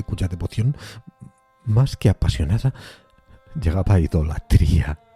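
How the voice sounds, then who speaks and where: A man's voice: sits low, mellow. A man narrating a Gothic horror story from a script in a solemn, brooding, theatrical way. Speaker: narrator of a literary horror podcast. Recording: music under the voice. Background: music.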